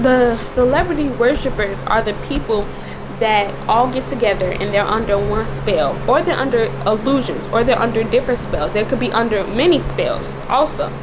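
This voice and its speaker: A woman with a slightly raspy, cracking voice giving informal, preachy commentary in an emphatic, repetitive way as a video creator. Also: fairly high pitch, background noise. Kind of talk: informal spoken commentary with religious exhortation.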